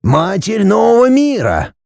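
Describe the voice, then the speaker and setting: Guy doing an old bearded mystic, raised thin voice, slow and solemn, mellow tone, swoops around a lot. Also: sits high, wildly swooping pitch, vocal fry, no echo, studio quality, pitched above the performer's own voice, exaggerated voice. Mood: insistent. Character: old grey-bearded man, calm, mystical and sorrowful.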